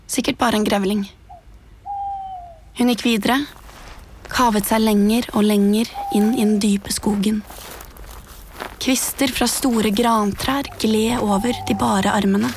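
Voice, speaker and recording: A woman narrating a scripted horror story in a hushed, suspenseful way, often dropping to a whisper. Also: a little high, a little hiss or hum. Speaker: podcast narrator. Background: music.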